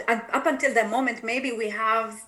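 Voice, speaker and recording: A woman's voice: fairly high pitch, fairly even intonation, normal speed, pushed and bright. A woman, a native Italian speaker with an Italian accent, answering interview questions as a life coach in an earnest, reflective, emphatic way. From Italy. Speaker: guest, transformational life coach.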